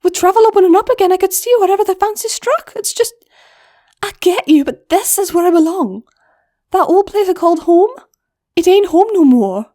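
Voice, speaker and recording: A woman doing a gruff teasing goblin big sister. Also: extremely high pitch, expressive, fairly quick, voice pushed up. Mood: earnest. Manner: brusque, teasing, softens to whispers. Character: tough older-sister female goblin mare.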